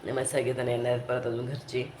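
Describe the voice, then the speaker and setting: A young woman with a bad cold, talking casually to viewers in a home vlog while watching her toddler; her voice is hoarse and congested, and she keeps speaking directly to the audience. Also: very deep voice, flat delivery, moderate pace, dark tone. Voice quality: hoarse, thick voice. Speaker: vlogger and mother. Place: living room at home. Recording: echoey room, faint background noise.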